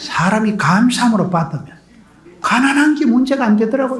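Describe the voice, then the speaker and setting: A man's animated voice in a strong Gyeongsang accent, with audible room echo and noticeable background noise. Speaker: pastor. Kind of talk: revival sermon.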